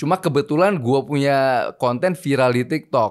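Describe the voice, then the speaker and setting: A man speaks with lively intonation at a fairly high pitch. The recording is very clean, with a silent background. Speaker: entrepreneur and content creator. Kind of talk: casual podcast chat. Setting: studio.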